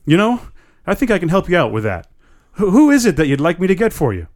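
A man's voice: high voice, big pitch swings, fast talker, darkish tone, pitched above the performer's own voice. A man voicing a shaken family man who talks in a raised, pleading voice. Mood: sly. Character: shaken middle-aged family man, nervous then sly.

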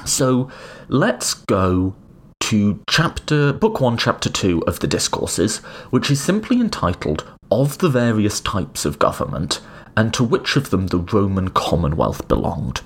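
A man's voice: lowish voice, big pitch swings, a little slow, breathy edge. A man hosting a podcast, explaining political philosophy in a conversational lecturing way with wry asides. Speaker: podcast host.

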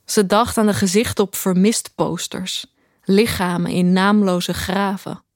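An actress playing a detached, introspective woman who narrates her own story in a deadpan, reflective way for an audio drama. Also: medium pitch, measured pace, no room sound, clean studio sound, lightly acted. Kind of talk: scripted first-person audio drama narration. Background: music.

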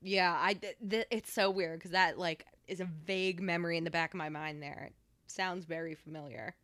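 A young woman with a slightly low voice chats casually as a podcast co-host. She talks loosely and leans on fillers as she goes. The sound is close and dry, with no room in it. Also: fairly even intonation, normal speed, a bit bright, dry recording. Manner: chatty, many fillers like "like" and "you know". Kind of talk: casual chat.

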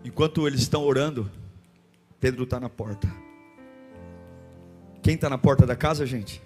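A Brazilian man preaching a sermon, dramatic, dropping to hushed murmurs and rising to shouts. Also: medium pitch, normal speed, faint music behind. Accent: Brazilian Portuguese.

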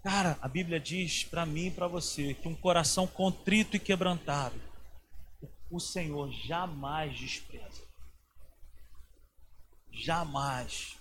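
A high-pitched pastor from Rio preaching in a loose, slangy way, jumping between loud storytelling and quiet asides. His voice sits well above most men's. A faint hum of room noise sits behind him. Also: takes it slowly. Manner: colloquial, slangy, storytelling with dramatic swings. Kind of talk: informal sermon.

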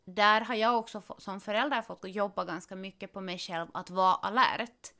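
A woman, a parent expecting her fourth child, chatting casually and telling stories with quick, animated asides. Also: mid-range voice. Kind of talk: casual podcast conversation.

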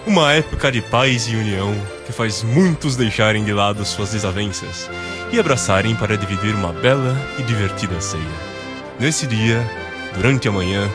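A man with a Brazilian accent narrating a scripted radio play as a storyteller. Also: lowish voice. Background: music.

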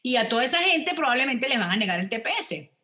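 A woman's voice: fairly high pitch, big pitch swings, fast, sharp tone. A woman, an immigration lawyer explaining the rules on a radio advice program, stopping often to check with "ok?". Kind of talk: radio call-in advice talk.

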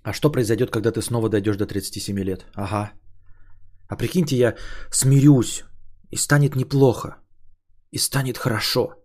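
A man in his thirties, a podcast host, musing aloud in a rambling solo monologue, swearing casually and drifting between livelier and quieter stretches. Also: medium pitch, fairly even intonation, moderate pace, pauses often. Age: 30s.

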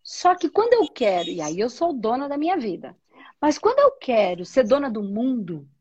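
Woman, spiritual teacher, high husky voice, muffled lo-fi sound. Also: wildly swooping pitch, moderate pace, darkish tone. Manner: reflective, asks and answers her own questions. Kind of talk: spiritual conversation.

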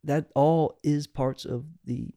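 A man's voice: a little high, steady tone, slow, dark tone, no room sound, clean studio sound. A middle-aged man, a songwriter guest, talking casually and rambling with many restarts. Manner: rambling, restarts often, says "you know" a lot. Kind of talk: casual podcast conversation.

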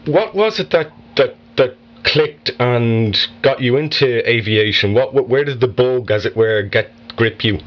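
A man hosting an interview, asking questions in a halting way full of fillers and restarts. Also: mid-range voice, highs cut off. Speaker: podcast host.

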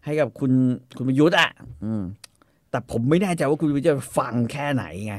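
A man co-hosting a casual comedic chat, telling stories in an animated way and acting out bits. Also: a little high, fairly quick, no room sound, clean studio sound. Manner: animated storyteller, acts out role-play lines. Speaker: podcast co-host.

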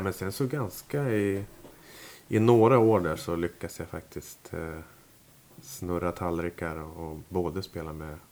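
A man's voice: deep voice, darkish tone, slight background noise. A man, a musician, talking casually in an interview, rambling with many fillers and restarts. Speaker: musician guest. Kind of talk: relaxed interview talk.

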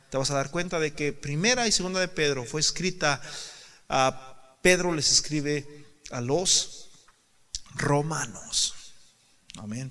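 A man preaching a sermon emphatically, asking rhetorical questions and swinging from quiet talk to shouts. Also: medium pitch. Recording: reverberant hall.

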